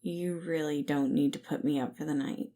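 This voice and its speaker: A sullen, guarded man as a woman reads him, in a fairly low register. He talks curtly and warily, giving ground only grudgingly, as a character in an audio story. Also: steady tone, normal speed, warm tone. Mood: grudging, reluctant. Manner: curt, wary, grudging.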